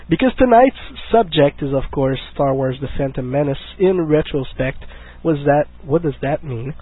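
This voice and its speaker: A husky-voiced man is hosting a casual fan talk show while he is sick, so his voice sounds rough. He chats along in a rambling, joking way. The sound is thin and phone-like, as on an old internet stream. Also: a little high, lively intonation, normal speed. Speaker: podcast host. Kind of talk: casual chat.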